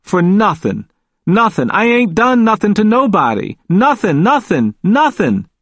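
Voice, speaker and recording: Man voicing a confused old man, high-pitched and emphatic. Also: very animated, moderate pace, fairly bright tone, dry recording, studio quality. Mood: mournful, agitated. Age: older. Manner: emphatic, repetitive, folksy nonstandard grammar. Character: confused, frightened elderly man pleading in hospital.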